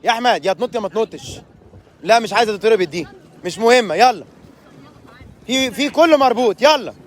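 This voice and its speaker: High-voiced Egyptian man hyping a crowd. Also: animated, fast talker. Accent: Egyptian Arabic. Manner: loud, teasing, urging people on. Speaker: tour host. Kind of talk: lively vlog hosting on a boat trip. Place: outdoors on a boat at sea.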